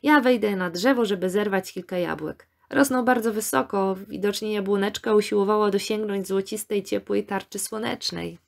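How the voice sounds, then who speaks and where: A woman's voice: medium pitch, moderate pace, gravelly, hardly any pauses, lightly acted. Eager cheerful young guy, student out exploring, read by a woman narrator in a storybook, not much voice change. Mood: gentle.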